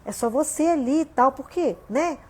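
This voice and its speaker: A woman's voice: sits high, expressive, moderate pace, warm tone. A Brazilian woman pastor with a Brazilian Portuguese accent, preaching a conversational livestream sermon from home and often asking "né?". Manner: conversational preaching, frequent "né?" and "gente".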